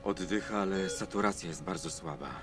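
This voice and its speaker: A man's voice: sits low, fairly quick, over music, lightly acted. An actor playing a devoted older monk and godfather in a radio drama, speaking eloquently and with feeling. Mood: earnest, grave. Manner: eloquent, emotive, swinging from hushed to exclaiming.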